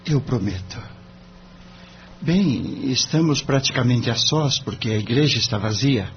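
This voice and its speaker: A man voicing an earnest, polite young lawyer gently reassuring a client. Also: mid-range voice, expressive, unhurried. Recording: dull lo-fi with faint noise.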